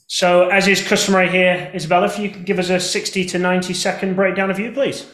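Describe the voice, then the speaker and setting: A man's voice: high-pitched, little pitch movement, quick pace, a bit bright, echoey room. A man hosting a business podcast, welcoming a guest and asking questions in an upbeat, affirming way. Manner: upbeat, affirming, "makes sense" and "absolutely". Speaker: podcast host.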